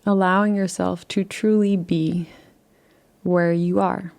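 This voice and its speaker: Meditation guide, woman: low-pitched voice with vocal fry, soft and unhurried, gently inviting. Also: little pitch movement. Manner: soft, unhurried and soothing, with long pauses; gently invites rather than instructs. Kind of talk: guided relaxation.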